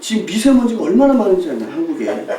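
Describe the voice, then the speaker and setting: A Korean pastor preaching a sermon with a mission report, telling stories with lively mimicry and frequent laughter. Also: male voice, high-pitched, fast. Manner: animated storytelling, mimics shouting tourists, laughs often. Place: church sanctuary. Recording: echoey church hall, distant mic.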